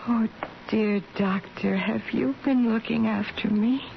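Slow, creaky-voiced, wistful ailing woman. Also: on the high side, fairly even intonation, slight background noise. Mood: weak, tender. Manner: slow, halting, dreamy delivery. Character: gravely ill wife waking from near death, wistful, tender. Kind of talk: 1970s radio drama acting. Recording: muffled old radio broadcast, music behind.

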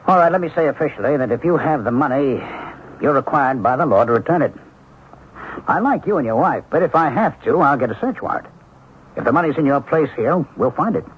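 An actor playing an affable but firm police lieutenant in a radio mystery drama, plain-spoken and official. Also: male voice, medium pitch, animated, fairly quick, husky. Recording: muffled, noisy old radio broadcast.

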